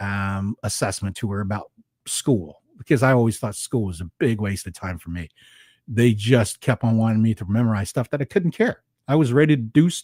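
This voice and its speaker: A man with a plain, everyday voice at medium pitch, lively intonation and a moderate pace, in a very clean recording with a silent background and a dry, close sound with no echo. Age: 60s. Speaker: podcast host and guitarist. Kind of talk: solo podcast monologue. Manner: casual, with frequent fillers and restarts.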